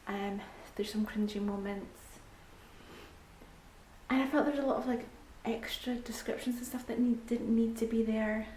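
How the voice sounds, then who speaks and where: A woman's voice: on the high side, flat delivery, a little fast, few pauses, darkish tone. Chatty Scottish woman in an echoey room. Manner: chatty, frequent ums, drops to near-whispers at times. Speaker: book vlogger. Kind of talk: casual reading vlog. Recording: echoey room with faint background hiss.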